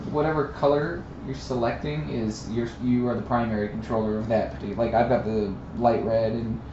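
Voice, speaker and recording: A man's voice: mid-range voice, steady tone, moderate pace. A man in casual, joking table talk as a player in a streamed tabletop game. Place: room, live stream of a group game. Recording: distant, roomy, dull with faint noise.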